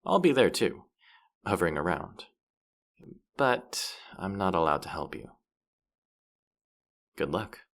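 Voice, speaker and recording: A man's voice: low voice, sing-song, takes it slowly, long pauses, exaggerated voice. A man playing a playful, boastful demon guide to the afterlife in a roleplay audio drama, with a smug, teasing, theatrical delivery. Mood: advising, playful.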